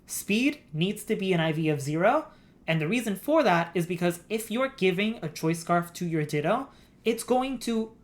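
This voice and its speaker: A woman streaming a game, explaining game mechanics in a rambling, giggly way. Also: fairly low pitch. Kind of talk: casual gameplay stream chat.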